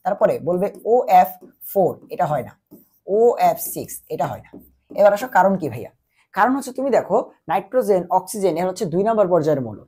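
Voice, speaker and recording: A young chemistry tutor, feverish, gives an exam-prep lecture by posing questions and answering them himself, quizzing the listener in a repetitive call-and-answer way. His voice is high, sing-song, quick, mellow and husky.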